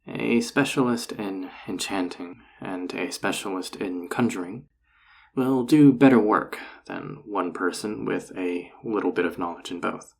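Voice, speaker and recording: A man playing a flirty, encouraging enchanter boss in an intimate roleplay audio drama, teasing and reassuring in a husky, gravelly voice. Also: on the low side, darkish tone. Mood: mildly irritated.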